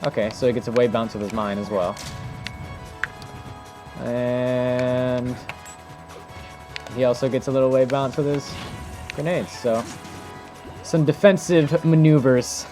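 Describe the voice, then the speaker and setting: A man's voice: mid-range voice, steady tone, a little slow, pauses often. A man giving casual, improvised commentary as he demonstrates techniques in a video game, thinking aloud in an informal way. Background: music.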